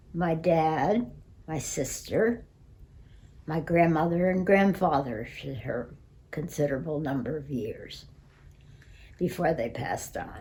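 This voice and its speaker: With an American accent, a woman speaks at a fairly slow pace with a very deep, low pitch, a dark, mellow tone and a somewhat breathy quality. Her intonation is lively, broken up by long, frequent pauses. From New Jersey, US (Clifton). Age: 80s+. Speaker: interviewee, host's mother. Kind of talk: interview.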